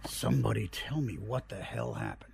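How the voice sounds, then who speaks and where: An actor playing a senator and presidential candidate in an audio drama. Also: male voice, fairly low pitch, normal speed, vocal fry, a little mellow. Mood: dazed, pained. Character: polished senator, a presidential frontrunner making a speech. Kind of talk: audio drama acting, political speech.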